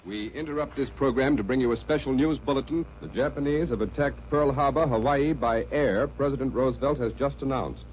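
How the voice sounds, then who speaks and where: A man's voice: medium pitch, moderate pace, few pauses, background noise. An American man announcing a scripted news bulletin in 1940s radio style. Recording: muffled old radio broadcast, humming.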